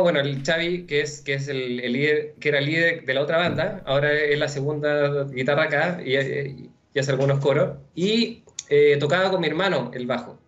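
Young Chilean man, relaxed and rambling. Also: a little high. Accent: Chilean Spanish. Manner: relaxed, rambling, many fillers and restarts. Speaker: musician guest. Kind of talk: casual interview answers. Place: room at home. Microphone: video call. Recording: dull lo-fi video call audio with faint music.

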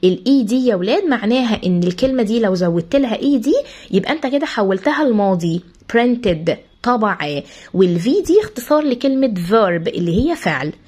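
A woman with an Egyptian Arabic accent, an English teacher who explains words to pupils and repeats each one slowly, spelling out how the sounds are said. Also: on the high side, lively intonation, darkish tone, breathy edge. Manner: addresses pupils as "kids". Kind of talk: vocabulary lesson for pupils.

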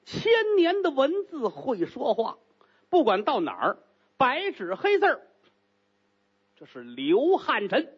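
A man voicing a haughty, commanding rich young concubine, speaking low and cool in a storytelling act. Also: huge pitch swings, slow pace, pauses often, slightly rough, dull audio, exaggerated voice. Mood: stern, commanding.

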